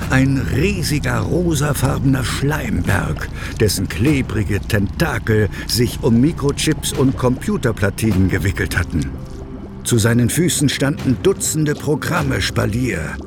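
A man's voice: mid-range voice, expressive, takes it slowly, gravelly, background noise. A man narrating a scripted children's audio story. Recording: loud music behind narration.

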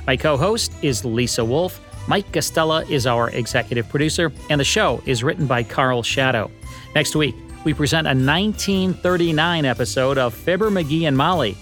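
A man's voice: on the high side, fairly bright tone. An American man co-hosting a podcast, reading a scripted narration about radio history. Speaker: podcast co-host and producer.

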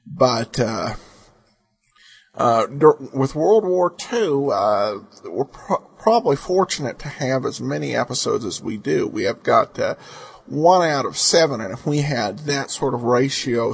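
A man hosting a podcast with casual commentary, halting and stammering as he repeats his words. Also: medium pitch, lively intonation, creaky, breathy edge. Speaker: podcast host.

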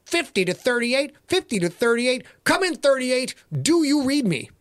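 A man's voice: very high voice, sing-song, moderate pace, fairly bright tone, voice pushed up, full character voice. A man voicing an alarmed navy radio operator on a patrol boat in a story, with urgent, clipped calls. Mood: urgent calling.

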